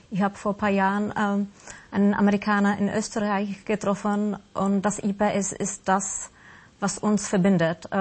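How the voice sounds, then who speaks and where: A woman in a Czech accent speaks at a fairly slow pace, somewhat breathy. Her intonation is monotone and flat. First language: Czech (speaking German). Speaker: diplomat. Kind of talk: panel discussion.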